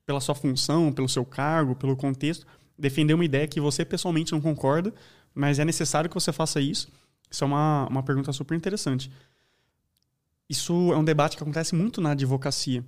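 A man talking in a casual podcast chat, an animated storyteller who says "né" and "daí" a lot. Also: fairly high pitch, fast talker. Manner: animated storyteller, acts out voices.

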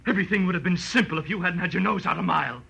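An actor playing a cowardly murderer in a 1940s radio crime drama, by turns menacing and pleading, with a raspy, strained voice. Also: male voice, high voice, very fast, pushed and bright, exaggerated voice. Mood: cold menace.

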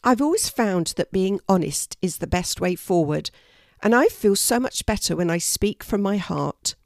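A gentle, encouraging young animal hero, played by a woman reading aloud. He talks softly and kindly, in a lively storybook way, close to the mic and dry. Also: mid-range voice, moderate pace, creaky, no room sound. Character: kind, calm, reassuring young male animal.

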